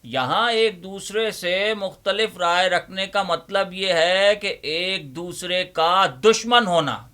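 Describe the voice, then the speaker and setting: Acting as a fussy old neighborhood librarian, a man who hosts dramatic readings of Urdu literature uses a fairly high, forceful, bright, clean voice. Bookish and theatrical, he sounds impassioned, stressing phrases emphatically and deliberately and repeating them rhetorically like a dramatic stage reading.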